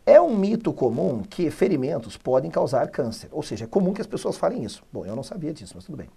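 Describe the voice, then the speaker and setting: A man from Brazil teaching an exam-prep English lesson, energetic and chatty, reading English slowly and then explaining fast. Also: a little high, gravelly, breathy edge.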